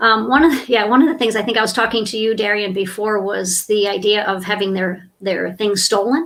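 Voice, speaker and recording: A woman speaks at medium pitch with ordinary pitch variation. Her fairly quick delivery has hardly any pauses, over noticeable background noise. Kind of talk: educational talk. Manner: fast.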